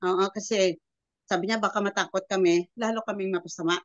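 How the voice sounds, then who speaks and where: Older woman in her 70s sharing a testimony. She rambles and acts out the dialogue. Mid pitch, muffled lo-fi call audio. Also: steady tone, no room sound. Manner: rambling, halting storytelling that acts out quoted dialogue. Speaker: prayer group member sharing a testimony. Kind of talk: personal testimony, casual storytelling.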